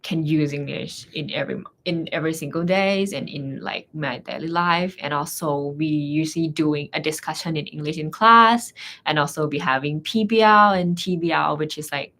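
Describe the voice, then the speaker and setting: A young woman with a Thai accent, a native Thai speaker, chatting casually in halting non-native English. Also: low-pitched, a bit bright. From Thailand. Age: young adult. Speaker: guest, medical trainee. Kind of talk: casual chat.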